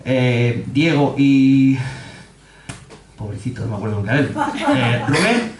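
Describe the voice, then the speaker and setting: A man with a Spanish accent giving a humorous talk in a pub, laughing often and acting out quotes in a high voice. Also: a little slow, darkish tone, reverberant, a little hiss or hum. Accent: Spanish from Spain. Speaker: speaker giving a public talk. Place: pub with an audience.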